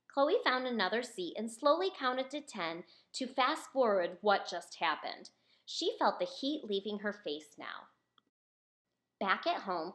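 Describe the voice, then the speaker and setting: Highly animated woman reading a storybook. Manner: expressive, addressing young listeners. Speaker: children's author reading own book. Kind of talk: storybook read-aloud to children.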